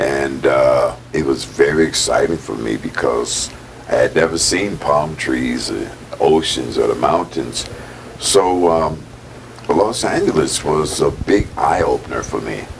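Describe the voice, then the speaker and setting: The man talks fairly slowly with an American accent while noticeable background noise plays. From US Midwest, St Louis Missouri. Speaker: singer, vocal group leader. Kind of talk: interview.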